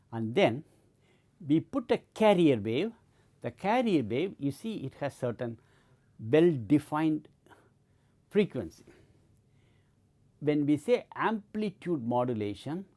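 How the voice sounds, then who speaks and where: A man's voice: mid-range voice, dark tone. A middle-aged man giving an explanatory lecture, often repeating and restarting his points. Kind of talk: educational lecture.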